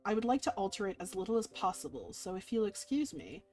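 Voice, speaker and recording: Woman reading as a courteous, formal fantasy gentleman. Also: mid-range voice, big pitch swings, fast talker, close to an everyday voice. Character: polite, gentle, earnest male fantasy gentleman. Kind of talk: visual novel character reading. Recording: music playing underneath.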